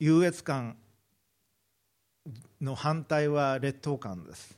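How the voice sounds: A man's fairly high voice with lively intonation at a very slow pace.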